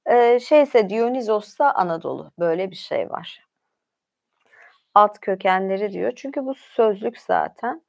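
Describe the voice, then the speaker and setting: Reading mythology aloud on her livestream, a woman speaks in an animated, gravelly voice of medium pitch. She often breaks off to comment, keeping the tone informal and conversational.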